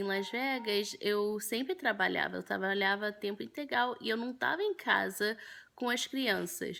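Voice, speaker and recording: Against a very clean recording with a silent background, a woman speaks at a medium pitch with a bright, sharp tone and a non-native accent. Her pace is moderate and her pitch variation ordinary. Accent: non-native Portuguese, makes mistakes. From United States. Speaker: vlogger, mother. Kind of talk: casual vlog talk. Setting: at home. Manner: halting.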